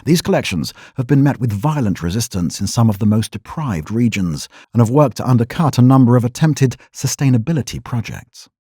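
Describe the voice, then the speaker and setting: Male broadcast news host, audio drama. Husky, composed, probing, dry studio sound. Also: medium pitch, expressive, fairly quick, few pauses, mellow, no room sound. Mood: measured, formal. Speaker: radio news host and interviewer.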